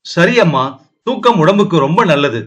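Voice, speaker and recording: Guy reading a seething old king, muttering angrily, bit high voice. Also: lively intonation, moderate pace, a bit bright. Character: older king, furious and bitter.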